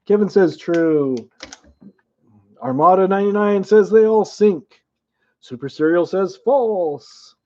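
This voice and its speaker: A man's voice: high-pitched, slow, pauses often, warm tone, lo-fi sound. A man casually hosting a live-chat trivia game, chuckling often and reading viewers' names aloud.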